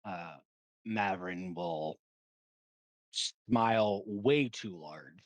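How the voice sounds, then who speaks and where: A man narrating as the game master of a tabletop game, unhurried. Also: low voice, no room sound.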